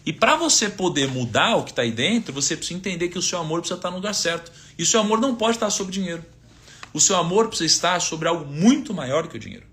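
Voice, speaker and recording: A man's voice: a little high, lively intonation, fast, fairly bright tone. A man in his thirties with a Brazilian accent, giving a casual faith and money talk, full of rhetorical questions and quoted verses. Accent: Brazilian Portuguese. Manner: conversational, asks rhetorical questions, quotes scripture. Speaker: finance speaker giving a faith-based talk. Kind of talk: casual teaching talk, live stream.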